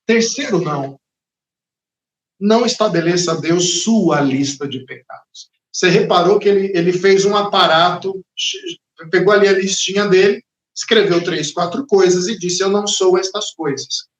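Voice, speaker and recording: A man preaching a sermon as pastor, expressive and dramatic, sometimes acting out the voices of the people he talks about. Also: high voice, moderate pace, reverberant.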